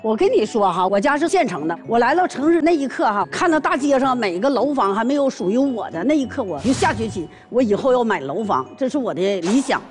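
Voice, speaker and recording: A woman's voice: fairly high pitch, sing-song, fast, hardly any pauses, faint music behind. A woman, telling her side earnestly on a talk show. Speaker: guest wife. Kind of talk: emotional talk-show testimony.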